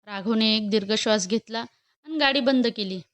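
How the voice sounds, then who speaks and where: A woman narrates a scripted romantic story steadily and expressively, her fairly high voice smooth and clear at a normal speed. The close, dry mic leaves no echo.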